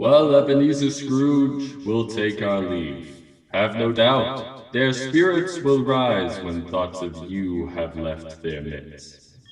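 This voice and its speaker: Someone uses a put-on character voice at a very slow pace. The room has a clear echo. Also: man, medium pitch for a man. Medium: audio drama. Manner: grave, authoritative.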